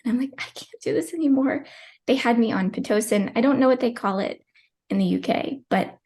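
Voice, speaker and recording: This young woman in her twenties has a slightly high, darkish-toned voice and a brisk pace. Appearing as a podcast guest, she narrates her personal birth story chattily and emotionally, with plenty of fillers and "likes," tearing up at times.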